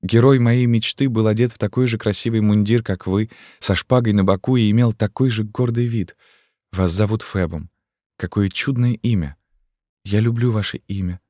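A naive young gypsy girl from an old storybook, adoring and earnest, her voice lifted well above the reader's own as a man puts her on. She speaks in a soft, pleading lilt, with a dry, close sound around her. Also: on the low side, fairly even intonation, normal speed, no echo, pitched above the performer's own voice, lightly acted.

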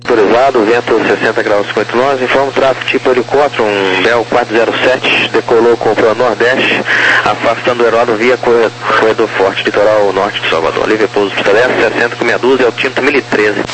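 A man's voice: medium pitch, fairly even intonation, brisk, fairly bright tone. Male tower controller over humming radio. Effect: radio transmission. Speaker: air traffic controller. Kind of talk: clipped procedural tower radio instructions. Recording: faintly noisy, humming aviation radio.

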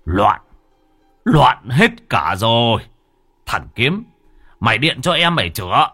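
A man voicing a hot-tempered middle-aged husband in a ghost story, shouting and stammering with rage. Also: mid-range voice, very animated, takes it slowly, breathy edge, faint music behind, heavily acted. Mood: furious.

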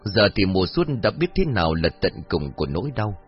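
A man narrating a horror story in a dramatic, expressive way. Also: sits low, brisk. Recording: dull lo-fi audio, faint music.

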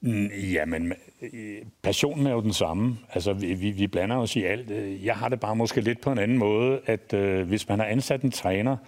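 Teasing male football panelist. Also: lowish voice. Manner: teasing, probing questions. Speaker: panelist, former football boss. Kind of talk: casual talk show chat.

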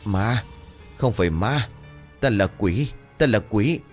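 A man's voice: lowish voice, lively intonation, slow pace, faint music behind. Man voicing a gloating demon. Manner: gloating, taunting. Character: mocking demon possessing a village woman.

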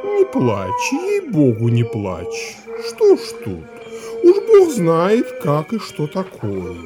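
An actor playing a drunken Cossack who drawls out pious consolations in a radio play. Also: male voice, fairly high pitch, huge pitch swings, slow, over music, heavily acted. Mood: maudlin drawling. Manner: drawling, sighing.

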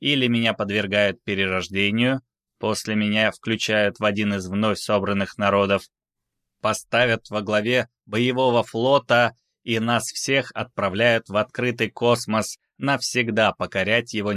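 A man voicing an ancient, courteous cyborg, once a captain, who tells his story in an unhurried, reflective way in a science fiction audiobook. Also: on the low side, fairly bright tone, no room sound, studio quality.

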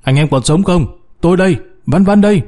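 A man's voice: a little high, expressive, fairly quick, dark tone, voice pushed up. A man voicing a male rescue leader calling down a pipe and reassuring trapped miners. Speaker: rescue commander.

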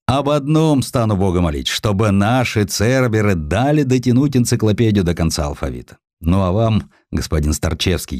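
A man's voice: lowish voice, darkish tone, no room sound, studio quality. A man voicing a jovial, wry businessman in an audiobook, with hearty, old-fashioned turns of speech. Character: jovial, wryly sighing male businessman backing a publishing venture.

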